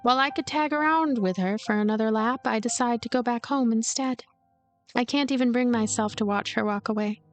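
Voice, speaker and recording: High-voiced woman narrating over music. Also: fairly quick, smooth. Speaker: let's player narrating a visual novel. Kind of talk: expressive scripted narration. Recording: music behind the voice. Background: game music.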